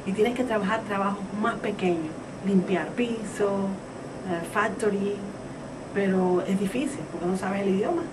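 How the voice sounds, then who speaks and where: A woman's voice: medium pitch, moderate pace. A woman from Cuba explains steadily and earnestly how hard it is to adapt to a new country. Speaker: interviewee. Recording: distant mic with background noise.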